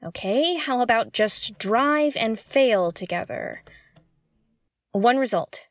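A woman's voice: a little high, lively intonation, takes it slowly, no room sound. A woman playing a curious, jittery explorer alone on a derelict spaceship, thinking aloud in an audio drama in a hesitant, exclamatory way. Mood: intent, puzzled. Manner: hesitant, exclamatory, muttering to herself.

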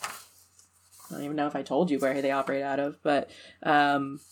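A woman's voice: deep voice, completely flat delivery, moderate pace, a little hiss or hum. A woman player chatting casually at a tabletop game, rambling a little and laughing often.

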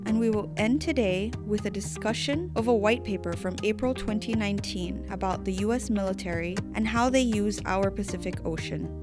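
Earnest woman hosting a podcast. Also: mid-range voice. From Mariana Islands. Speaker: podcast host. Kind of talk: scripted podcast narration.

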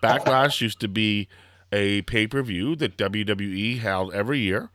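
A young man with a slightly hoarse, throaty voice, hosting a casual wrestling podcast and rambling excitedly with lots of fillers. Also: lowish voice, measured pace, no room sound, studio quality. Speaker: podcast host.

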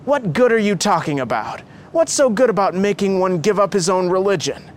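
Man voicing a fierce high-pitched accusing mother. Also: animated, moderate pace, slight background noise. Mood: indignant. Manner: accusing, lamenting.

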